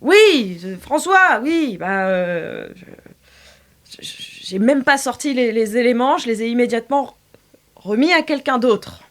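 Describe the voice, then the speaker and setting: A woman's voice: fairly high pitch, animated, a little slow. A woman playing a cornered potion maker in an improvised role-play, hesitant and defensive as she bargains for her life. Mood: flustered.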